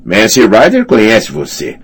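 A man voicing a cold, scheming knight who speaks in a measured, sly way. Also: lowish voice, wildly swooping pitch, husky, pitched above the performer's own voice, heavily acted. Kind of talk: audiobook character reading.

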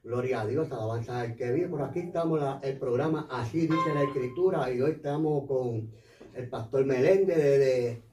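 A man hosting a Christian radio program, introducing guests and filling his pauses with hallelujahs. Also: mid-range voice, music in the background. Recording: roomy sound, distant mic.

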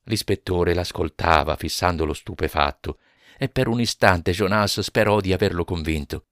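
A man reading a novel aloud as narrator, in a measured, even storytelling manner. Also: low-pitched, no room sound, studio quality. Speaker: audiobook narrator. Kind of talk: scripted narration.

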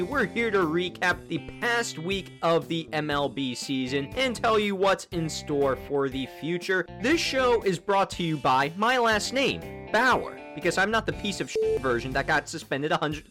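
Lively, excitable young podcast host. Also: male voice, on the high side. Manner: joking, excitable, laughs often. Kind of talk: casual sports podcast chat.

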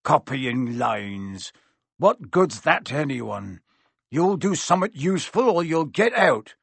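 A man voicing a big gruff groundskeeper, fierce but kindly, who growls in rustic dialect in an audiobook story. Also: on the high side, lively intonation, measured pace, no room sound, full character voice. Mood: gruff, stern.

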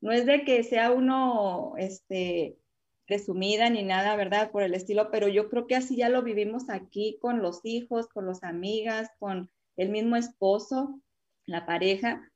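A woman's voice: medium pitch, a little slow, darkish tone, muffled recording. A woman hosting a casual panel chat, chatty and full of fillers and exclamations. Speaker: host.

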